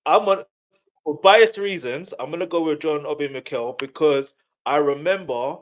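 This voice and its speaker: A man's voice: a little high, moderate pace. A man hosting a casual interview, informally circling and rephrasing his questions as he goes. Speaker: interviewer, host.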